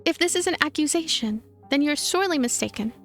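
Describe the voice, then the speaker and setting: Woman acting young heroine, visual novel, hesitant, polite, guarded, high voice, light music. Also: animated, a bit bright. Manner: polite, halting.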